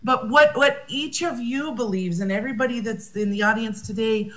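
A woman's voice: mid-range voice, a bit bright, rough recording. American woman giving a conference talk. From United States. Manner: thoughtful, rephrasing often, with fillers. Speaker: conference speaker. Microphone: video call.

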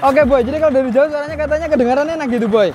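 A man, talking through a casual, excited, slangy vlog outdoors in a rice field. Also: very high voice, racing, background noise. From Indonesia. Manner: excited, slangy, calls viewers "boy". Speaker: vlogger. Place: outdoors in a rice field beside a running tractor.

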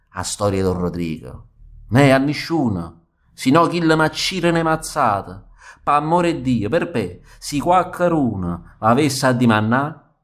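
A man with a Neapolitan accent reciting comic dialect verse in a rhythmic, expressive, theatrical way. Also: on the low side. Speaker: actor reading verse.

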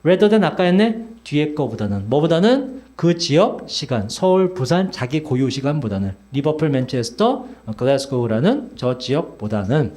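A male teacher in his forties lectures a class in a chatty, teasing way, turning often to the students. His voice sits a little high and swings widely in pitch as he explains and jokes. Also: sing-song, normal speed, hardly any pauses, a little mellow. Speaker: English teacher.

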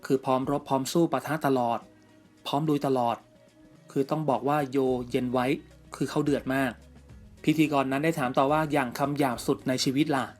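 A man narrating an entertainment news story in a steady, scripted reading voice. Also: medium pitch, fairly quick. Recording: music bed faint underneath.

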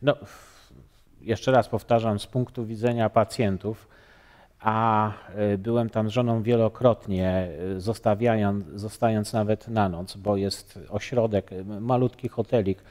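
Man, 50s, studio guest, mellow voice, halting delivery, reverberant set. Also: lowish voice, steady tone. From Poland. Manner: halting, many fillers and restarts. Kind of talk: studio interview. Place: bright TV studio, seated on sofa.

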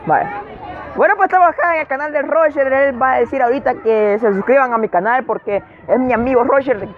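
A young man, loud and exasperated, swearing as he pranks people in an outdoor plaza. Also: very high-pitched, fairly quick. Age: young adult. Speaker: prank youtuber. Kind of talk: street prank comedy. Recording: tinny lo-fi audio, music and crowd behind.

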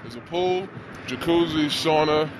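A man's voice: a little high, measured pace. A young man giving a casual, joking walk-through tour in informal slang, recorded on a handheld camera. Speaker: vlog host giving a facility tour. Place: on the move outdoors, in a locker room and in a large indoor pool hall. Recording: noisy handheld camera, heavy ambient noise.

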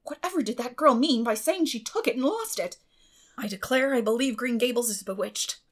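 A woman voicing a stern, plain-spoken older spinster with a brisk, firm manner in a storybook reading. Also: fairly high pitch, lively intonation. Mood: baffled. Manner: brisk, firm, matter-of-fact.

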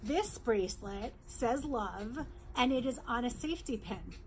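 A middle-aged woman from New York, a jewelry designer, presenting her bracelets in a bright, chatty sales pitch in her showroom, close to the camera. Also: lively intonation, measured pace, soft background music. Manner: upbeat, chatty sales pitch, holds up pieces. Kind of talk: virtual trade show product presentation. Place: indoor showroom with jewelry displays.

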